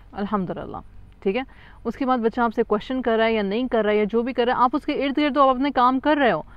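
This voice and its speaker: A woman's voice: a little high, clean tone, no echo, lo-fi sound. A woman talking through a parenting book chapter in a conversational way, explaining patiently and often switching into English phrases.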